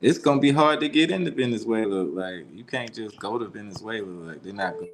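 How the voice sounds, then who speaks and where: Deep-voiced laid-back American man. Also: lively intonation, quick pace, a little hiss or hum, low-quality recording. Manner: laid-back, slangy, rambling. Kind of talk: casual chat.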